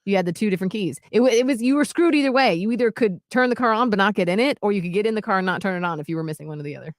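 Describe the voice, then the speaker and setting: A woman in her forties co-hosting a radio show, chatting casually and telling animated stories. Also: very fast, dry recording. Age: 40s. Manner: animated storyteller, jumps into high voices for quotes. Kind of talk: casual chat.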